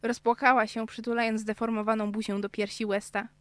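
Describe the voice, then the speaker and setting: A woman's voice: fairly high pitch, little pitch movement, brisk, dry recording. A young woman, a student voice actor, reading narration and chatting casually between takes in a small studio. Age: young adult. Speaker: student voice actor in a radio drama.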